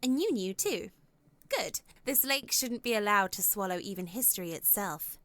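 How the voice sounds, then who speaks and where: A woman's voice: medium pitch, expressive, moderate pace, fairly bright tone, no echo, natural voice. An actress playing a proud, haughty lady traveler in a visual novel, formal and curt in manner. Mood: prim, softening. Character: proud, haughty lady traveler, sharp-tongued but well-read.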